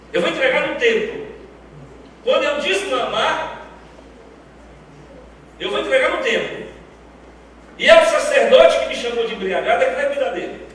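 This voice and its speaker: A man voicing a barren woman pleading with God in the temple, low and rapid, heard from afar in an echoey church hall. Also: fairly bright tone, far from the mic, slight background noise, exaggerated voice.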